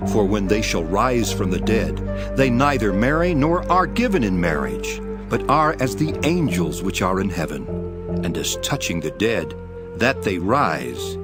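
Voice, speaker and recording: Man acting solemn low-voiced Jesus, expressive teacher. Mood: stern, reproving. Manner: solemn, measured, declarative. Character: Jesus, calm authoritative male teacher rebuking and instructing. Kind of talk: dramatized scripture reading. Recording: voice over prominent background music.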